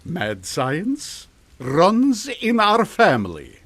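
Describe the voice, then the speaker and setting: An actor playing a boastful, theatrical mad scientist in a comic radio drama, with grandiose, drawn-out dramatic delivery. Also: male voice, high voice, wildly swooping pitch, a bit bright, husky, no echo, exaggerated voice. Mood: dramatic revelation. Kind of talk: melodramatic radio comedy acting.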